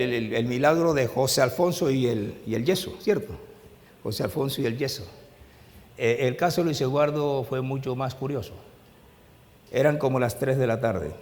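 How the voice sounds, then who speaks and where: A male pastor preaching a sermon, telling a story in a hushed voice and then rising to loud, emphatic preaching. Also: medium pitch, long reverb tail. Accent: Latin American Spanish. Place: church hall.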